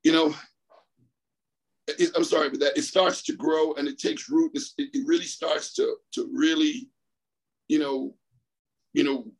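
Husky-voiced man from the Bahamas. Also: a little high, steady tone, measured pace, long pauses, rough recording. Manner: rambling, repeats words, laughs often. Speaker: track coach. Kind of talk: storytelling interview on a call. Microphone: phone.

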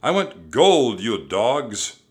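Huge, bad-tempered storybook pirate boss, played by a man: growly, roaring, gruff, bullying, animated. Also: on the low side, slow, pitched above the performer's own voice, heavily acted. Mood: bellowing.

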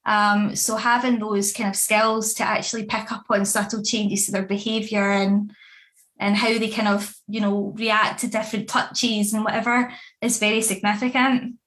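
A woman's voice: mid-range voice, little pitch movement, normal speed, fairly bright tone. A woman chatting casually in an interview, with many fillers and frequent laughs. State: pregnant. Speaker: dog grooming academy founder and author.

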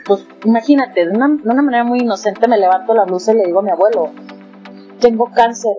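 A woman's voice: fairly high pitch, racing, dark tone. A Mexican woman, the guest, telling anecdotes in a chatty way, full of fillers. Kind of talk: casual storytelling chat. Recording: dull lo-fi audio with faint music.

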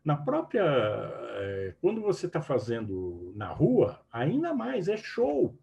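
A man's voice: on the high side, wildly swooping pitch, slow pace, vocal fry, mellow, lo-fi sound. A man, teaching hypnosis techniques to a group in an emphatic way and often checking in with his listeners. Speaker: hypnosis instructor.

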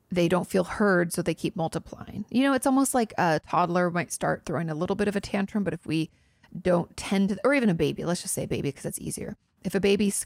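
A woman giving casual, explanatory advice as a therapist host, speaking directly to the listener in a conversational way with animated emphasis. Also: mid-range voice, vocal fry, no room sound, studio quality. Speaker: therapist host answering viewer questions. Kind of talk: casual explanatory advice, reading questions aloud.

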